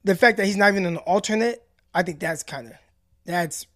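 A man co-hosting a sports podcast, talking in a passionate, deliberate and emphatic way. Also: sits high, a bit bright. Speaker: podcast co-host. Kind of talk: casual sports chat.

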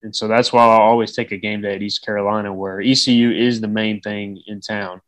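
A man's voice: lowish voice, flat delivery, a little fast, a bit bright, no room sound, rough recording. A man with a slightly nasal voice hosting a sports podcast, talking casually through his opinions and game predictions. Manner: conversational, gives opinions and predictions. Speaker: podcast host.

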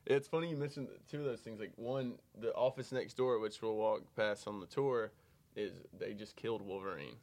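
A man's voice: lowish voice, fairly even intonation, normal speed, darkish tone. A man hosting an interview as a casual, conversational chat. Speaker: podcast host, interviewer.

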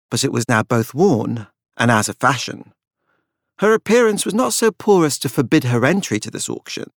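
Measured male narrator, very dry recording. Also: mid-range voice, dry recording. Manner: measured, formal storytelling. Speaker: audiobook narrator. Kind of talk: scripted literary narration.

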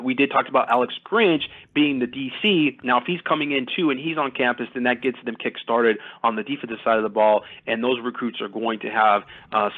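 A man giving casual, detailed sports recruiting analysis as a guest, talking conversationally at length. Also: mid-range voice. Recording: thin phone-like audio.

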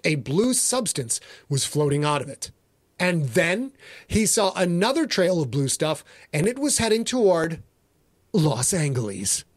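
A man's voice: a little high, sing-song, measured pace, no room sound, studio quality. A middle-aged American man giving a theatrical, mock-serious dramatic reading of a story as its narrator. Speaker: author and narrator.

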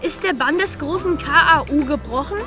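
A woman's voice: high voice, normal speed. A woman voicing a brave, loyal little talking train in a children's audio drama, with a childlike, earnest manner. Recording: loud music under the voice.

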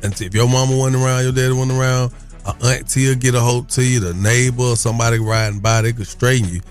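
A man's voice: medium pitch, fairly even intonation, fast, faint music behind. A man hosting a morning radio show in casual, colloquial talk. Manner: colloquial, conversational.

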